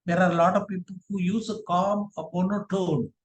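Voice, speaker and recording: Echoey higher-voiced Indian man teaching. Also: level tone, a little fast. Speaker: public speaking trainer. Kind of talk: online workshop talk with question and answer. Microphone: online video call. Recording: roomy, echoey online call sound.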